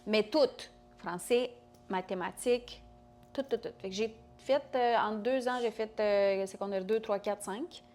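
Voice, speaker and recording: A woman's voice: medium pitch, measured pace, darkish tone. A young woman who speaks French with a non-native accent, chatting as a podcast guest with frequent restarts and fillers. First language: not French. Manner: hesitant, many restarts and fillers. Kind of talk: casual conversation.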